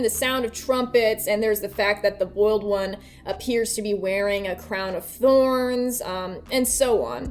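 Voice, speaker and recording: A woman with a fairly high voice talks through theories as the host of a video essay. Her delivery is conversational and informal, with some swearing. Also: darkish tone. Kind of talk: casual commentary and theory breakdown.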